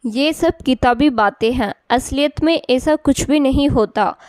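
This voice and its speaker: A woman's voice: high voice, measured pace, darkish tone, no echo, studio quality. A woman voicing an unhappy married woman who complains bitterly about her in-laws. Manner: complaining, resentful.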